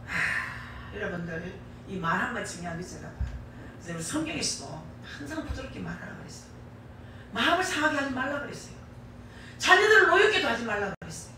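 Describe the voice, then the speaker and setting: In a church sanctuary, a middle-aged woman with a Gyeongsang Korean accent preaches in a sing-song, fairly high voice, a little fast. Her sermon is folksy and emphatic, with key phrases repeated for weight. The recording has background noise, hall echo, and a distant mic.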